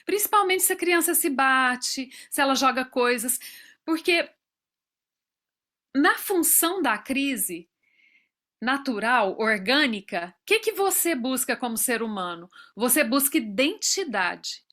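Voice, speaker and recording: A woman's voice: high-pitched, very animated, a little slow, bright, forceful tone. A Brazilian woman in her forties giving a talk to professionals, telling stories from her own family and acting out quoted dialogue. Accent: Brazilian Portuguese. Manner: acts out dialogue in quoted voices. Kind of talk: lecture with personal stories.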